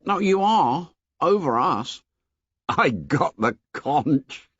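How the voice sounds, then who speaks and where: A man voicing a shrill, nearsighted, anxious schoolboy who talks in rough, ungrammatical boy's speech. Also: sing-song, slow pace, a bit bright, dry recording, dull audio, full character voice. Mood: agitated. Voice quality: shrill, pleading.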